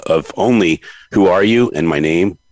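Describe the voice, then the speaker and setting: A man hosting an interview show in a relaxed, easygoing way. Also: sits low, normal speed, no room sound. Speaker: host. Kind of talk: casual interview chat.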